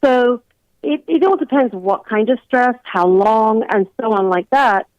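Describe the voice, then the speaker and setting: A woman from London with an English accent, a doctor giving measured, reflective explanations as a remote radio interview guest. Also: fairly high pitch, a little mellow, smooth, no room sound. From London, England. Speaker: guest family physician. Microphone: remote call-in line. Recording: dull, lo-fi phone-in line.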